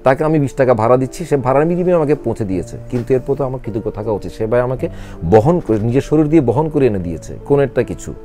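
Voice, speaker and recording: Middle-aged male actor guest, quick and mellow, plain-spoken. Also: mid-range voice, expressive, soft background music. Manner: reflective, matter-of-fact. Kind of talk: interview conversation.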